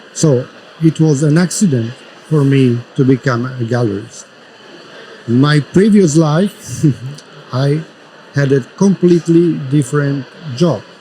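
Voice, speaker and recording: A man with a fairly high pitch talks at a fairly slow pace with ordinary pitch variation and long, frequent pauses over noticeable background noise. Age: 60s. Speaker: gallerist. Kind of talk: interview.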